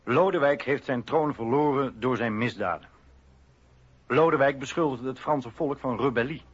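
A man's voice: mid-range voice, moderate pace, breathy edge, lightly acted. An actor playing a stern radical revolutionary orator, declaiming accusations against a king in a radio docudrama. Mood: stern, accusing. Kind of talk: political speech in a radio docudrama. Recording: dull lo-fi radio recording.

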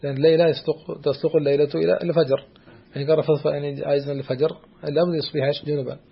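A man teaching a classical text of Islamic jurisprudence to a student. He talks hesitantly, with many drawn-out fillers and restarts, and keeps checking that the student follows. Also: fairly high pitch, little pitch movement, gravelly, highs cut off, a little hiss or hum.

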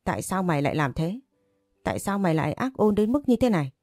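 A woman's voice: very animated, fast, a little mellow, no echo, studio quality, soft background music. A woman voicing a furious grieving daughter, accusing and sobbing. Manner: shrill accusing rants, sobbing pleas.

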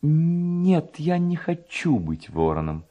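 A man voicing gentle, plaintive ghostly young maidens in a storybook reading. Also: a little high, sing-song, takes it slowly, voice pushed up, full character voice. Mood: weary, pleading. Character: gentle ghostly drowned young maidens playing a night game.

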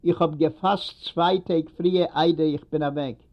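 A man voicing a gaunt, ragged stranger who speaks calmly and steadily. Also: on the high side, unhurried, lightly acted. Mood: steady. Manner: calm, steady. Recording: dull lo-fi recording.

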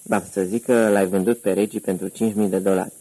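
Brief: a man doing a calm, menacing audiobook gangster, very deep, flat, dark. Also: dry recording, close to an everyday voice, poor audio. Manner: calm, quietly threatening. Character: menacing middle-aged male gangster, cold interrogator.

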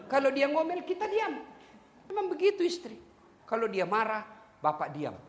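A man preaching a sermon to a live audience, animated and joking, sometimes singing a line of a song. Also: very high voice, normal speed. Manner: animated, joking with the crowd, sings snatches of songs. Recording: echoey hall, light background noise.

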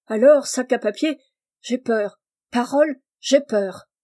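A bluff, impulsive male farmer, gruff and full of exclamations, as a woman reader voices him. The voice sits fairly high, with a mellow, dark tone and audiobook reading. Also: slow.

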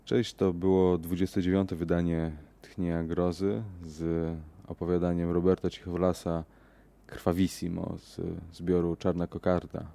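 Deep gravelly male horror narrator. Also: level tone, mellow. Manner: measured, hesitant in the outro with fillers. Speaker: podcast host and reader.

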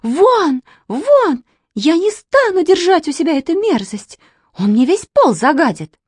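A woman voicing a fussy, excitable, squeamish aunt in a storybook reading, with high shrill exclamations. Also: unhurried, dry recording, clean studio sound, exaggerated voice. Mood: indignant.

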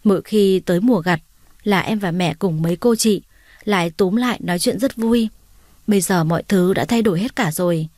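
A woman's voice: medium pitch, fairly quick, darkish tone, no room sound, studio quality, close to an everyday voice. Woman voicing a tearful young daughter returning home. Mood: wistful. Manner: emotional, pleading.

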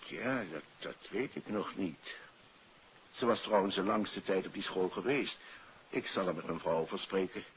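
Man acting a deep-voiced, earnest doctor. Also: normal speed, natural voice. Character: earnest, anxious male doctor and father, formally polite. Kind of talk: 1950s radio detective drama acting. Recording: dull, hissy 1950s radio recording.

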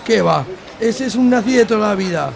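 Man as an excitable high-voiced bar brawler. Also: a little fast, creaky, a crowd in the background, noisy background. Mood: excited, indignant. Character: excitable male bar regular, brawling storyteller. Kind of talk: amateur radio soap comedy.

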